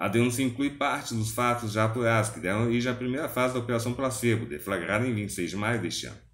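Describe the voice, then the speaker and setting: With audible room echo behind him, a man talks at a very fast pace with hardly any pauses and ordinary pitch variation. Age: 40s. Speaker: online news presenter; news presenter. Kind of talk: news reading. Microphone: lapel.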